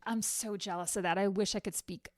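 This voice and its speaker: A young woman co-hosting a true crime podcast, telling the story in a relaxed, chatty way with plenty of fillers. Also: mid-range voice, fairly quick. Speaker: podcast co-host.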